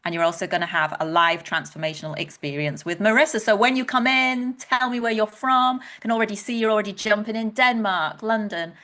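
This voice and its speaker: An enthusiastic woman from Wales opens an online webinar. She greets viewers warmly by name of place and keeps up a quick, chatty flow, her voice sitting at an ordinary middle pitch. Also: fairly even intonation. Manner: enthusiastic, chatty, reads out chat messages. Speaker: webinar host, head of publicity. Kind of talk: upbeat webinar hosting.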